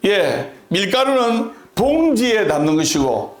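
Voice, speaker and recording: A man's voice: high voice, sing-song, measured pace, echoey room. A man telling a joke in a sermon, voicing a learned professor who gives playful answers. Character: joking, learned male professor.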